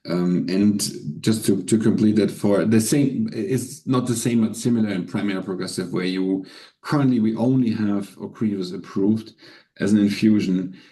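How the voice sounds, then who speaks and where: Man, lowish pitch, soft dark tone, company executive, earnings call, careful halting explanations.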